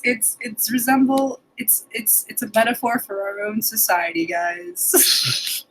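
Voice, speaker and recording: Slow-paced young woman chatting about books. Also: a little high, fairly bright tone, soft background music, low-quality recording. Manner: informal, giggly, sardonic. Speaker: book discussion co-host. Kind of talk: casual book chat.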